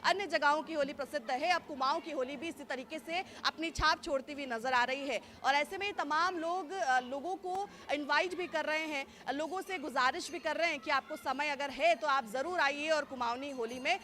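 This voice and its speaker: A woman's voice: sits high, moderate pace, few pauses, pushed and bright. A woman field reporter giving a live news report outdoors at a festival gathering, speaking fluently with frequent fillers.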